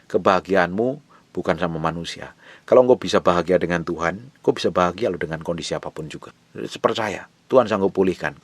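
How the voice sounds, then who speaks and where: Deep-voiced man preaching earnestly. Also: fast, dry recording. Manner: earnest preaching, rising to emphatic peaks. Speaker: pastor. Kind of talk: sermon.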